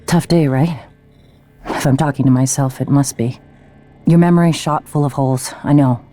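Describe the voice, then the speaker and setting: An actor playing a scientist who calmly leaves a recorded message explaining things to himself, in a video game. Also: male voice, mid-range voice, moderate pace, natural voice. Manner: calm, confiding, matter-of-fact. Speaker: game character. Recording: game audio with faint music.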